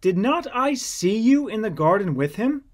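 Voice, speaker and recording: A man's voice: high voice, big pitch swings, normal speed, voice pushed up. A man voicing an accusing servant in a scripture audiobook, pointed and insistent. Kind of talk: dramatized scripture audiobook reading.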